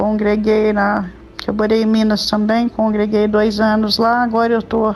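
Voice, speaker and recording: A woman at a fairly high pitch and fairly slow pace, with noticeable background noise. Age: 60s. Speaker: former church worker giving testimony. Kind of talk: testimony. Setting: recorded voice message.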